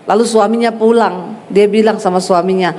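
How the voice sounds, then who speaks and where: A woman's voice: mid-range voice, steady tone, normal speed, mellow. A middle-aged woman pastor preaching a sermon, telling stories and acting out quoted voices with blunt force. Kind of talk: sermon with storytelling. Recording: echoey hall reverb.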